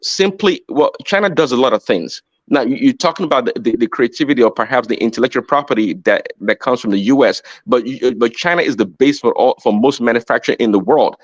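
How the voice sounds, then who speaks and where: A man's voice: medium pitch, fast, few pauses, no room sound, dull audio. A man arguing emphatically in a heated group discussion, stumbling over and repeating words as he presses his point. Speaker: panelist.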